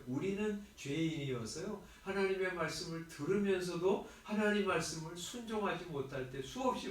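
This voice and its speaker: A male pastor giving an early morning sermon in a conversational way, with fillers and rhetorical questions. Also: a little high. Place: church sanctuary. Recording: very echoey church hall, mic at a distance.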